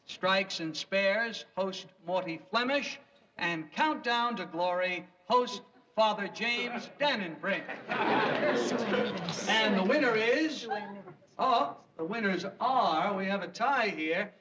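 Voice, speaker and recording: A man's voice: high-pitched, lively intonation, slow. An actor playing a formal male awards emcee announcing nominees. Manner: announcing, stiff. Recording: distant, muffled, noisy old TV audio.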